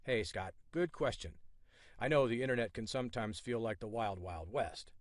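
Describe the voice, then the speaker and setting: A man reading a scripted sales pitch in a smooth, reassuring salesman manner, from the United States. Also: moderate pace, no echo, studio quality. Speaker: ad presenter.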